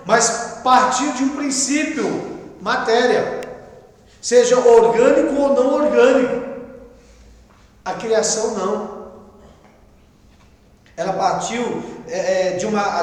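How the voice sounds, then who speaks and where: A Brazilian man teaching a Bible class as pastor, reading a text and explaining it in a conversational way with quiet asides. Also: very high-pitched, unhurried, long pauses. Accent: Brazilian Portuguese. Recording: echoey room with long reverb.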